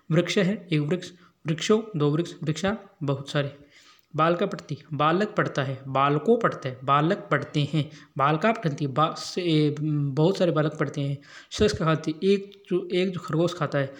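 A man with a somewhat high voice teaches a Sanskrit lesson for schoolchildren. He works through the words one after another in a steady drill, giving the Hindi meaning of each. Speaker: teacher running an education channel.

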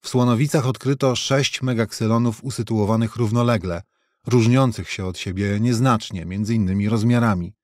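A man reading nonfiction aloud as an audiobook narrator, in a measured, even manner. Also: lowish voice, dry recording, studio quality. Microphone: close studio mic.

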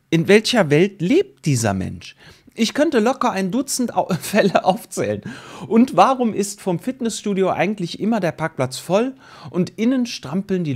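Animated, indignant man in his late thirties. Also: sits high. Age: late 30s. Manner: indignant, rhetorical questioning, emphatic. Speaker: YouTube host and commentator. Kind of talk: opinionated reaction commentary, reading an article aloud. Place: small home studio room, indoors. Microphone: close microphone on a boom arm.

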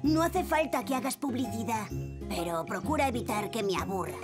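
A woman's voice: fairly high pitch, lively intonation, moderate pace, lightly acted. Sulky little cartoon boy voiced by a woman. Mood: bored, dismissive. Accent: Castilian Spanish. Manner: offhand, grumbling. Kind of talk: animated cartoon dub acting. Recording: loud background music.

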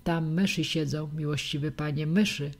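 A frightened old witch woman, as a female reader puts her on, evasive and secretive, dropping to whispers and then rising shrilly. It is a storybook voice, hushed and wary. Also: deep voice, fairly even intonation, moderate pace.

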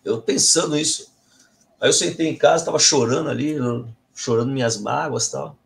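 A man's voice: mid-range voice, normal speed, vocal fry. A middle-aged man, an Umbanda medium sharing a personal testimony with his viewers in an earnest, self-correcting way. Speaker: Umbanda medium and channel host.

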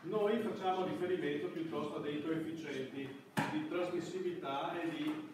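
A fairly high-voiced middle-aged lecturer halts and restarts his sentences while teaching a university class indoors. Because the camera microphone sits far away, the room echoes heavily and a faint background hiss is audible.

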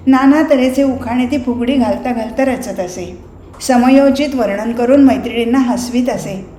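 Mellow woman narrating a novel. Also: on the high side. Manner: measured, expressive storytelling. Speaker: reader. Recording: roomy recording, faint noise.

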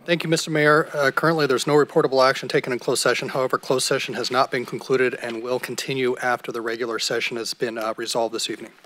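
A middle-aged man gives a city attorney's report in measured legal language. His pitch stays very level and even throughout, and he speaks into a desk microphone on the council dais. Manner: measured, formal legal phrasing.

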